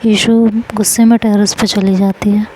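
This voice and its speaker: Mellow-voiced woman telling a story. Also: mid-range voice, little pitch movement, moderate pace, a little hiss or hum, rough recording. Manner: plain, conversational retelling. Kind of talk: storybook narration.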